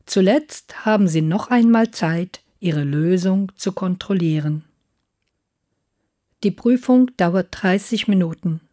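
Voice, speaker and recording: A woman reading scripted listening-test instructions in a measured, formal way. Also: fairly low pitch, mellow. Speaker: exam announcer.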